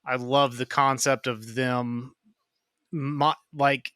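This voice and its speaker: A man who is a podcast guest, chatting casually and enthusiastically, with quick agreeing replies. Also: medium pitch, flat delivery, bright, forceful tone, smooth, dry recording, studio quality. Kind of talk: casual chat.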